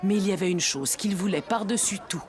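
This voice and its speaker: A woman narrating a children's cartoon as a gentle storyteller, reading scripted lines in a storybook manner. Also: mid-range voice, fairly quick, faint music behind, a faint crowd, lightly acted. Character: gentle storyteller narrating a little boy's adventures.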